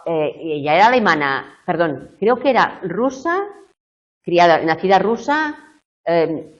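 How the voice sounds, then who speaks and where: A middle-aged woman giving a university tutorial lecture, explaining step by step and often checking in with her students. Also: lowish voice. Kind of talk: live video tutorial lecture. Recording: muffled lo-fi classroom recording.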